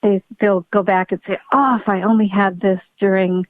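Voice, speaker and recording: A woman's voice: mid-range voice, fairly even intonation, moderate pace, dry recording. A middle-aged woman, a pediatric neurologist, explaining with enthusiastic emphasis in a podcast interview. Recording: tinny phone-like line, dry.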